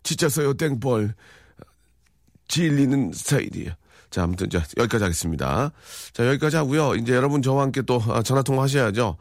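A man's voice: mid-range voice, lively intonation, fast talker, dry recording, clean studio sound. A man hosting a live radio show, joking and giving mock-stern warnings to listeners. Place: radio studio.

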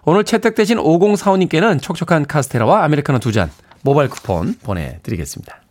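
A man's voice: on the high side, animated, quick pace, darkish tone. A man hosting a radio show, chatting, reading listener messages and plugging events with self-mocking humor. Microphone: studio microphone.

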